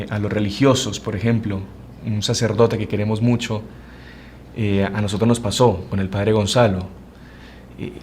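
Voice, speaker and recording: A man's voice: fairly low pitch, a little mellow, a little hiss or hum. A man with a Uruguayan Spanish accent, a religious brother giving an earnest spiritual formation talk. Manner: earnest, preaching, speeds up and slows for emphasis.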